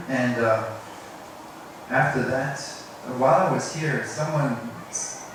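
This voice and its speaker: Slow, hesitant man in an echoey room. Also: mid-range voice. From South Africa. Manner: hesitant, self-deprecating. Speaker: English teacher. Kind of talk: informal personal story to a group. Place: indoor room at a teachers' workshop. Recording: echoey room, distant mic, noisy.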